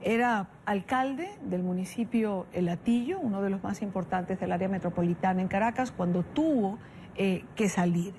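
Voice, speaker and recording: A woman's voice: mid-range voice, normal speed, a little mellow, slight background noise. A woman hosting a news interview, asking probing, direct questions. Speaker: interviewer, host.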